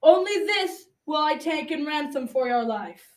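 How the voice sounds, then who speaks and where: Echoey high-pitched girl playing a stern Black Knight. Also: expressive, normal speed, recorded from a distance. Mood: commanding. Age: teenager. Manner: formal archaic speech. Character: formidable male Black Knight, stern challenger and grieving father. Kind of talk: amateur school radio drama acting. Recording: echoey room, off the mic.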